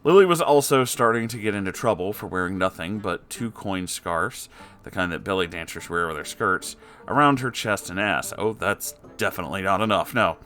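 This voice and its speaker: Male host, low voice, story narration with casual wry commentary, faint music bed underneath. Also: normal speed, a bit bright. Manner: conversational, wry, reacting to the story. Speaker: host reading a submitted story. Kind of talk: story reading with casual asides.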